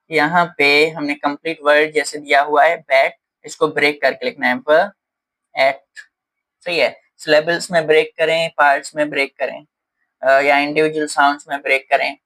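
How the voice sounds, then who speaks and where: A man's voice: fairly high pitch, vocal fry, sharp tone, rough recording. Man explaining a teaching lesson. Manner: patient, explanatory, frequent fillers. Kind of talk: explaining lesson in Hindi-English mix.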